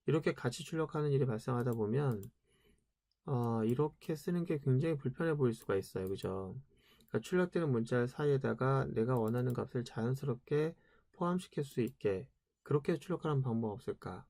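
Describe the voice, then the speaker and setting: A man's voice: medium pitch, lively intonation, fairly quick, vocal fry, mellow, no echo. A man giving a casual programming lecture, chatty, asking rhetorical questions and answering them himself.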